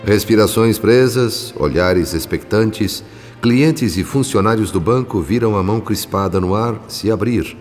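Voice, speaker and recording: A Brazilian man delivers scripted, dramatic narration for a radio soap opera. His voice is deep and carries a long reverb. Music plays underneath.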